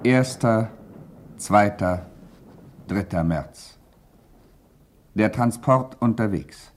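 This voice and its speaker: An actor playing an impersonal reader of terse military log entries in a radio play. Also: male voice, on the low side, drawn-out words.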